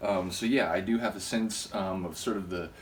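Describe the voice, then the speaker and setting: A man talks at a moderate pace in a plain, everyday voice. His intonation is fairly even. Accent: American. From southern California. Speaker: music reaction youtuber. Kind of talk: casual talk to camera.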